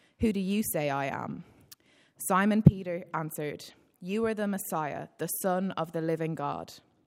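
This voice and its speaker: Using an Irish accent, a woman with a fairly low pitch speaks at a moderate pace with ordinary pitch variation. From Ireland. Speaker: scripture reader. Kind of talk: scripture reading aloud. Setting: church.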